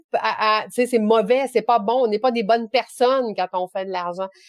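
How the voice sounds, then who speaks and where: A woman speaks with a Quebec accent, fairly high in pitch with ordinary variation. The sound is dry and close, with no echo. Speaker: podcast host. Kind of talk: podcast interview.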